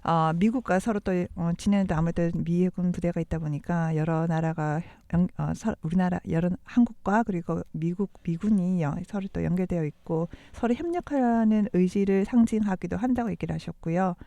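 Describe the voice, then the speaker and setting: A woman's voice: lowish voice, rapid-fire, few pauses, mellow, no echo. A South Korean woman with a Korean accent hosting a radio interview and interpreting for listeners, a native Korean speaker. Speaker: radio host.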